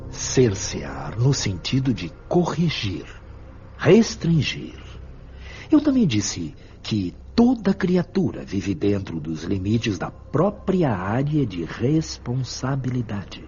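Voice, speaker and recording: An actor playing a wise, benevolent spiritual mentor in a radio drama, speaking in a measured, formal, teaching manner. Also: male voice, mid-range voice, huge pitch swings, mellow, muffled recording, a little hiss or hum. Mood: patient, earnest.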